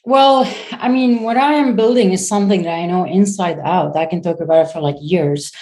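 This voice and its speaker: Low-voiced woman founder from Syria. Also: warm tone. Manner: halting, searches for words with frequent pauses. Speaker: startup founder, guest. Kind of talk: casual interview answers.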